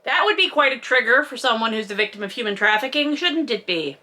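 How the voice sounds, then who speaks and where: A woman's voice: a little high, lively intonation, fast, bright, forceful tone. A woman giving a casual, comedic book recap with sarcastic, wry asides, in the manner of a video host.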